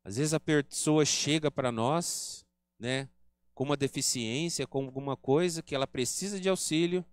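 Speaking with a Brazilian Portuguese accent, a man gives an earnest spiritist lecture at a spiritist center, teaching and acting out quoted remarks. His smooth voice runs on the high side at a moderate pace. The studio-quality recording has no room sound.

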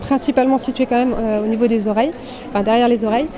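A woman's voice: fairly high pitch, fairly even intonation, racing, poor audio. A woman slimming coach explaining her sessions in an interview, fluent with light fillers. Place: busy exhibition hall. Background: crowd chatter.

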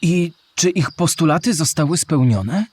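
An actor playing a curious young schoolboy who eagerly asks questions in a scripted children's audio drama. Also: male voice, fairly high pitch, animated, measured pace, a little mellow, husky, dry recording. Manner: inquisitive, eager. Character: Historyjek, curious young schoolboy asking about history.

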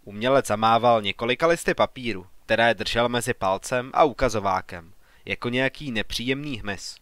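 Calm male audiobook narrator. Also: medium pitch, dry recording. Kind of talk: scripted narration.

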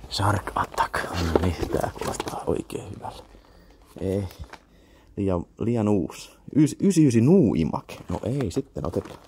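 A man's voice: lowish voice, lively intonation, very noisy. A young man with a Finnish accent, muttering casual commentary to himself while browsing an indoor flea market, with half-whispered asides and offhand swearing.

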